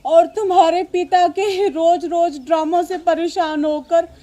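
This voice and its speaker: A woman's voice: very high voice, measured pace. A woman playing a poor, despairing, long-suffering mother in a melodrama, with a pleading, lamenting delivery. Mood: tearful, despairing. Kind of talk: melodramatic Hindi drama acting.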